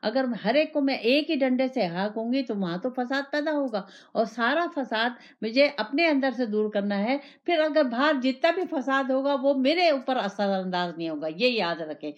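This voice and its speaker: A woman's voice: high-pitched, lively intonation, few pauses. A woman giving an Islamic sermon, repeating phrases and asking rhetorical questions in the first person. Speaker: religious teacher. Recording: dull lo-fi recording.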